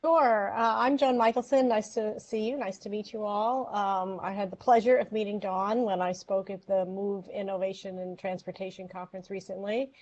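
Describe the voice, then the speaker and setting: Upbeat woman panelist on a video call, mid pitch, dull lo-fi audio. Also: fairly even intonation, moderate pace, few pauses, darkish tone. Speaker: guest, podcast host and ESG consultant. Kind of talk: casual panel chat.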